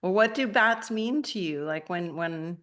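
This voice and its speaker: A woman from Argentina, a meditation teacher, chatting casually and gently with participants in a live session, rambling a little and laughing often. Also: on the low side, expressive, measured pace.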